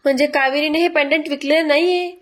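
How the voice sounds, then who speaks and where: A woman's voice: high-pitched, fairly even intonation, quick pace, close to an everyday voice. A woman voicing a scheming, gossipy young woman in a family drama recap. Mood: anxious. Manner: mocking, gossipy. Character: scheming young woman, sharp-tongued, gloating.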